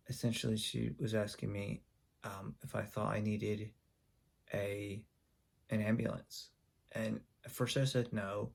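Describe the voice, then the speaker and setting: A man telling a personal story for his video channel, speaking haltingly with frequent ums and restarts. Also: fairly low pitch, vocal fry, darkish tone, breathy edge. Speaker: YouTuber.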